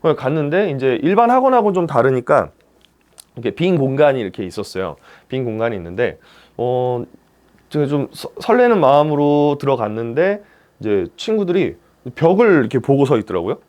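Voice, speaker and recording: A man's voice: medium pitch, a little fast. A male stage actor giving a career talk to young people, telling his story and acting out the dialogue. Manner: animated storytelling, acts out dialogue.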